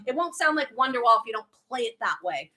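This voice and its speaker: A guitar teacher streams live and keeps things chatty, reading viewers' comments, answering their questions and slipping in quick asides. She's in her thirties with a faint Boston accent, and her fairly high voice swings widely in pitch.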